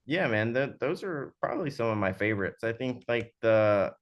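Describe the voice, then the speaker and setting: A man speaking casually and haltingly as a sound designer in an interview, thinking aloud as he explains. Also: medium pitch, animated.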